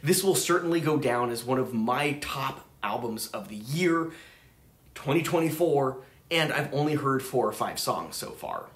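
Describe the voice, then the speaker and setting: A man's voice: mid-range voice, animated, normal speed, fairly bright tone. An enthusiastic man in his thirties narrates his travels for his vinyl channel, chatty and eager. His voice sits mid-range, and the room around him adds a noticeable echo. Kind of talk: casual travel vlog narration. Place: room with record shelves.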